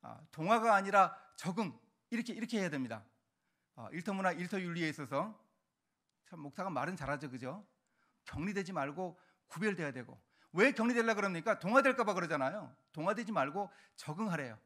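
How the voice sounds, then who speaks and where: A middle-aged male pastor preaching a sermon to his congregation, animated and emphatic, sometimes shouting for emphasis. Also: high voice, a little fast. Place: church sanctuary.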